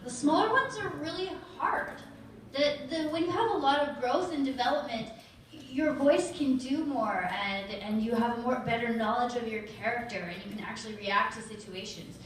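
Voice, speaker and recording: A woman's voice: fairly high pitch, moderate pace, a little hiss or hum. A woman, a voice actor, answering fan questions modestly, with lots of fillers and self-deprecating humor. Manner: modest, laughing, filler-heavy. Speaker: voice actor on a convention panel. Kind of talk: casual panel Q&A answers. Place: large convention hall. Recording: echoey hall, camera far from stage.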